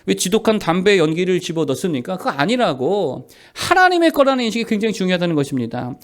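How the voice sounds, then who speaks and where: A middle-aged man preaches from the pulpit in a high voice that swings widely in pitch. He poses rhetorical questions and answers them at once, driving each point home through emphatic repetition. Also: big pitch swings, quick pace. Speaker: pastor. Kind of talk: sermon.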